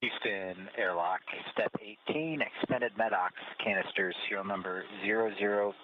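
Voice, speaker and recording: A low-voiced man speaks over a space-to-ground radio loop, his terse procedural readouts dulled by a muffled band. Heavy static hisses under every word. He delivers figures in a clipped, businesslike way. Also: normal speed. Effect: space-to-ground radio link. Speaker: astronaut.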